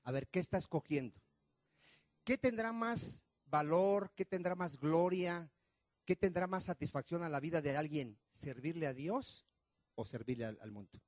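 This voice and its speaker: A male pastor preaches, firing question after question at his congregation. His voice sits fairly high for a man, swinging from loud pushes to low murmurs. The sound is dry and close. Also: normal speed, dry recording. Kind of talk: sermon. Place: church.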